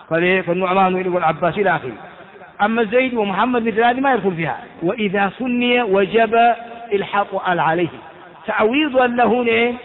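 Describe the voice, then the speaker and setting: A man teaching a classical Arabic grammar lesson, explaining step by step and asking and answering his own questions. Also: sits high. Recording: tinny phone-like sound with long reverb.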